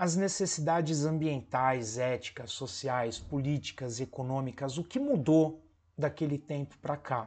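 A man's fairly high, somewhat breathy voice moves at a fairly slow pace and shows ordinary pitch variation. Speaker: geography teacher and educational YouTuber; geography teacher, educational YouTuber. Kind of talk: tutorial. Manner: casual, conversational. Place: home room.

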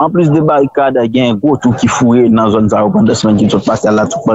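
At a fairly quick pace with hardly any pauses, the speech holds very even loudness and ordinary pitch variation, in a dry sound with no echo. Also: man. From Haiti. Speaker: field correspondent. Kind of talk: news report. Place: studio. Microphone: studio mic.

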